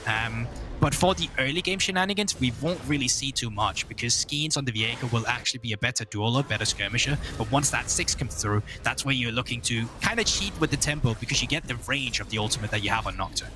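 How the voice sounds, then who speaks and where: A man casting a competitive video game match, giving rapid, excitable analysis that jumps up in pitch on big plays. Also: over music. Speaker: esports caster.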